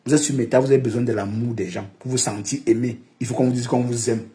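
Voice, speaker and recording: A man's voice: medium pitch, steady tone, fast, warm tone. A man, scolding and mocking someone at length in a heated live commentary. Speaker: social media commentator.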